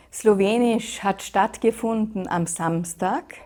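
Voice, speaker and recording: Her pitch fairly high and varying in an ordinary way, a woman speaks with a dark, mellow tone. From Rosental near Ferlach, Carinthia, Austria. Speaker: interviewee. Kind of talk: interview.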